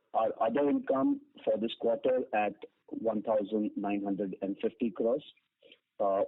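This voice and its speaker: Gravelly Indian-accented man on a phone line. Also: on the low side, dry recording. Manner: matter-of-fact, reading out figures with hesitations. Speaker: bank finance executive. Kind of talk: formal financial results briefing. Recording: narrow tinny phone conference line.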